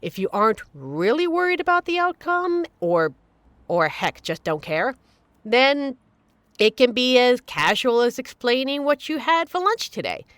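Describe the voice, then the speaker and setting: Woman playing a supportive, animated young female friend. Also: fairly high pitch, measured pace, no echo. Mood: upbeat, encouraging. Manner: earnest, casual, reassuring with playful exaggeration. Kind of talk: audio roleplay, conversational monologue to listener.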